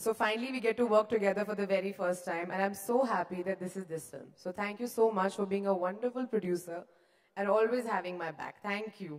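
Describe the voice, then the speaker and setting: Talking at a fairly quick pace, a woman keeps her intonation fairly even. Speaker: film actress at event. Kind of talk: event speech. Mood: warm, grateful, light humor. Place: stage.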